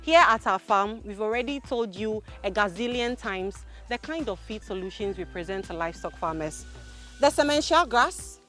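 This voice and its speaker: A woman's voice: medium pitch, expressive, normal speed, a bit bright, faint music behind. A woman presenting outdoors in a farm paddock, talking directly to viewers in an upbeat way.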